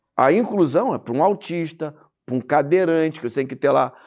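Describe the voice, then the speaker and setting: An ordinary speaking voice from a man, fairly high-pitched with lively intonation, on a very clean recording with a silent background. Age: 60s. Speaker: Baptist pastor. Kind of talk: talk show discussion.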